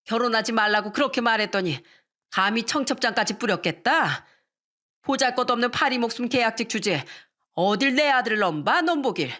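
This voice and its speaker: A woman's voice: expressive, brisk. A woman voicing a furious, scornful middle-aged mother-in-law-to-be in a dramatized radio story. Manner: shrill, contemptuous yelling.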